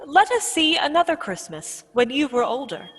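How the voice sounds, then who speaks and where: A woman voicing a solemn guiding spirit in a radio play, measured and formal, in a long reverb. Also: sits high, very animated. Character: Ghost of Christmas Past, solemn guiding spirit. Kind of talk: dramatic radio play acting. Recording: long cavernous reverb, faint background noise.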